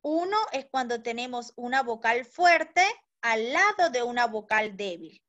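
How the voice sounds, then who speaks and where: A woman with a high voice teaches a recorded lesson for children at an unhurried, deliberate pace. She stretches out syllables and checks understanding with short questions. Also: lively intonation, a bit bright, lo-fi sound.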